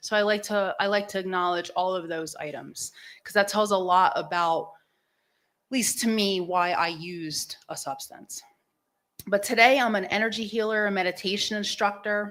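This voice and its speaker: A woman speaks with a New Jersey accent at a medium pitch. Her pace is moderate, with ordinary pitch variation. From US Northeast, New Jersey. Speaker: energy healer and recovery coach. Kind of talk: expo talk. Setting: stage with live audience. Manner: loud.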